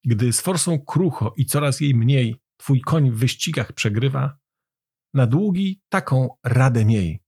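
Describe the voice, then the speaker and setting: A man's voice: mid-range voice, animated, unhurried, a little mellow, breathy edge. A man voicing an Irish man proudly reciting a poem about beer in a storybook reading. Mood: declaiming. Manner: declaiming verse.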